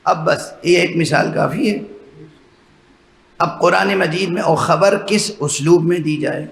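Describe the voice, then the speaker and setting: Gravelly-voiced man preaching in an echoey hall. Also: a little high, fairly even intonation. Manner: explanatory, asks listeners rhetorical checks. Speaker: religious scholar addressing a mourning gathering. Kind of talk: sermon lecture. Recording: echoey hall with faint background noise.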